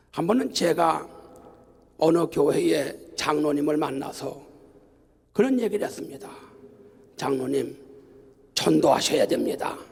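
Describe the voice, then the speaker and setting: Animated, gravelly-voiced preacher. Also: male voice, high-pitched. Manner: animated preaching, acting out quoted dialogue. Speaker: pastor. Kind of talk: revival sermon. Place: church sanctuary. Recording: church hall reverb.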